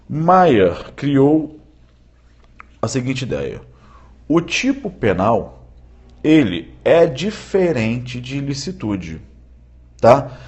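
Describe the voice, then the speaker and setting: A man giving a live-streamed law lecture, often checking in with viewers and repeating key points slowly for emphasis. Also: a little high, a little mellow. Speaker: law teacher.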